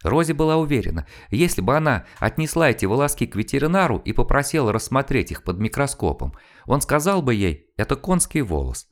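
A man reading a novel aloud as an audiobook narrator, in a measured, expressive storytelling manner. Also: medium pitch. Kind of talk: scripted literary narration.

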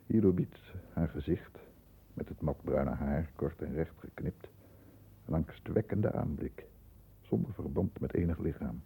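Low, very dark-voiced composed lawyer. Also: male voice, gravelly, breathy edge, heavily acted, poor audio. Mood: tense, hushed narration. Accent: Netherlands Dutch. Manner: measured, deliberate, formal. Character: composed middle-class lawyer, protective older brother, narrating. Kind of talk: 1960s Dutch radio play, first-person narration and dialogue.

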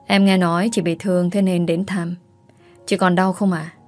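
A woman voicing a polite, soft-spoken young second wife in a spoken story. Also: on the low side, little pitch movement, moderate pace, faint music behind, natural voice.

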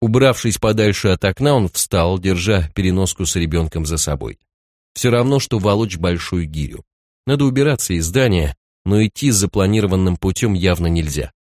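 Brief: male thriller narrator, low and measured, close dry studio sound. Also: expressive, darkish tone, dry recording. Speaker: audiobook narrator. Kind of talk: scripted narration.

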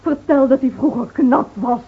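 An actress playing a grieving, devoted middle-aged village wife in a Dutch radio drama, speaking in a solemn, measured, pleading way. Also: female voice, high voice, steady tone, husky. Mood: urgent pleading. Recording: tinny, narrow-band old radio recording.

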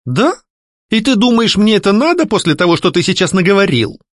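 A man voicing a sharp-tongued young woman who mocks and scolds her ghost ex-husband. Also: on the high side, big pitch swings, moderate pace, no room sound, studio quality, voice pushed up. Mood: stern. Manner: mocking, scolding, ironic. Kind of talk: audiobook character voicing.

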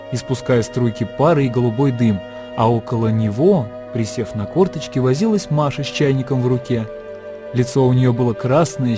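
Calm male narrator over music. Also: mid-range voice. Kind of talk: scripted literary narration.

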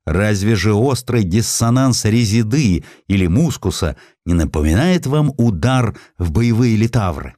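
Man doing a proud master perfumer, stern, declamatory, low voice, dry close sound. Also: expressive, measured pace, few pauses, dark tone, no room sound. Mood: passionate. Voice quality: grand, declamatory speech.

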